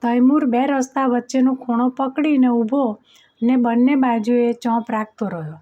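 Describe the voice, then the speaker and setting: A woman narrating a storybook chapter aloud, slowing down to voice the characters in the dialogue. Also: on the high side. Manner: slows down and voices characters in quoted lines. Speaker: audiobook narrator. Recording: dull lo-fi recording.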